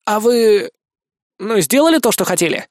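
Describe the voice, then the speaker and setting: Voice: mid-range voice, lively intonation, moderate pace, dry recording, clean studio sound, voice pushed up, lightly acted. A narrator voicing a good-natured man who speaks a little hesitantly. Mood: glad. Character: man, friendly, eager.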